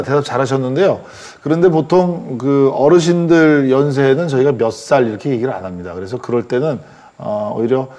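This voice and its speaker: A man in his forties teaching a language class, explaining patiently and slowly, with frequent restarts. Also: medium pitch, darkish tone. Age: 40s. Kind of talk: classroom instruction.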